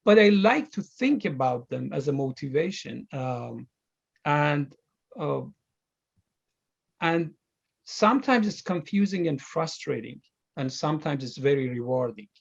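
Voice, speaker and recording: A middle-aged man with an Iranian accent, a native Farsi speaker, answering interview questions reflectively and haltingly as he searches for words. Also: fairly high pitch, expressive, vocal fry, husky, lo-fi sound. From Iran. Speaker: author being interviewed.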